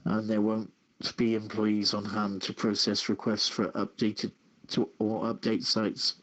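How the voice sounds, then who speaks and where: A man with a fairly low voice hosts a live radio show. He speaks very slowly and haltingly, often tripping over his words as he reads. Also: fairly bright tone, rough recording. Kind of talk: reading news copy and hosting a live online radio show.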